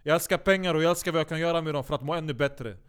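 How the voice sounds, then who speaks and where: A man delivering a rambling, profane comic monologue, jumping from loud outbursts to low mutters and often restarting his sentences. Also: smooth. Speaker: comedic monologue host.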